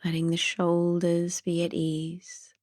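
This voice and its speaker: Female meditation guide: slightly low, mellow voice, gentle and soothing, soft breathy delivery for sleep. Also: monotone, slow pace, no room sound, studio quality.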